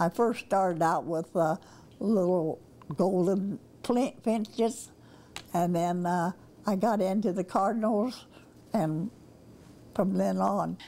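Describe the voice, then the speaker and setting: In an American accent, a woman speaks at a very slow pace in a dark, mellow tone, with ordinary pitch variation, very even loudness and long, frequent pauses. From Knoxville, Illinois area. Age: 80s+. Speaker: amateur painter. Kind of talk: interview answer. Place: home room.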